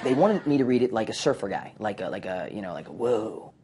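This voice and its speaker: A man, a former sitcom actor, telling stories in an interview, animated and full of fillers. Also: on the low side, noisy background. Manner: fast, animated storytelling with many fillers. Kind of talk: retrospective interview.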